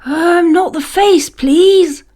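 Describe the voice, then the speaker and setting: A woman's voice: extremely high pitch, drawn-out words, warm tone, voice pushed up, full character voice. A woman voicing a young male digger machine in a children's storybook, timid and pleading one moment, bragging the next. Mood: panicky, pleading. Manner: hesitant, pleading when scared, bragging when proud.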